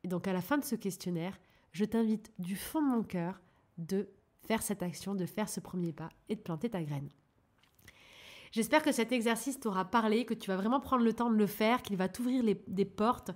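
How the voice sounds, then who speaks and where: A French woman speaks in a soft, encouraging coaching tone, addressing the listener directly as she guides them toward their goals. Her pitch sits in a middle range, and her delivery is relaxed and conversational, with the hesitations of unscripted talk. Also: normal speed. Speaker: life coach and channel host. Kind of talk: casual coaching monologue.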